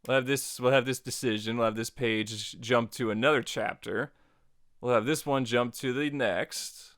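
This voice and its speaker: A man hosting a software tutorial, narrating casually in a playful, chatty, wry way. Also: mid-range voice, fairly even intonation, moderate pace, dry recording, clean studio sound. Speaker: tutorial host.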